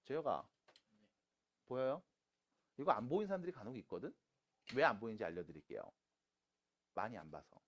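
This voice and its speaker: A man teaching math to high school students in a classroom, casual and teasing, switching between polite and plain speech. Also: animated, fairly quick, long pauses, highs cut off. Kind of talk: classroom lecture.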